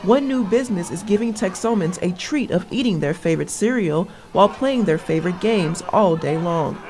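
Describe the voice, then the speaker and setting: A woman's voice: on the low side, animated, moderate pace. A woman in her twenties delivering scripted local news reports as a student reporter. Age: 20s. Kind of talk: scripted news package narration and stand-ups.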